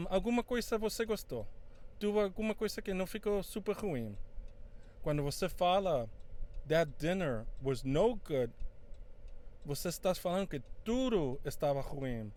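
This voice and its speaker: A man with a high, slightly mellow voice teaches an English lesson in Portuguese. English is his first language, and he moves between the two languages haltingly, leaning on fillers.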